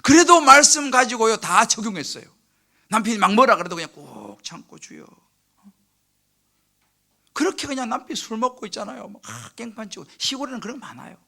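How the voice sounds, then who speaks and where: A middle-aged senior pastor with a bright, gravelly, high voice preaches at a midweek service in a church sanctuary, talking fast. He tells stories animatedly, acting out quoted prayers and crying, and swings from loud bursts to hushed near-whispers.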